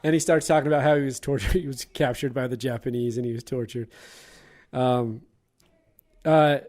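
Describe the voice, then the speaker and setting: A man's voice: medium pitch, fairly even intonation, moderate pace, darkish tone. Man chatting about a film. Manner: laughs while retelling scenes. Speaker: podcast host. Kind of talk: casual movie podcast chat.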